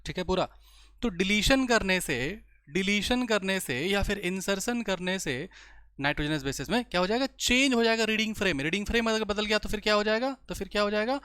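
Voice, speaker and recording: A young man teaching biology in a lecture, often pausing to check the class follows. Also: high voice, pushed and bright, clean tone, dry recording, clean studio sound. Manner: slow explaining, many rhetorical checks. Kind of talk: online exam-prep lecture.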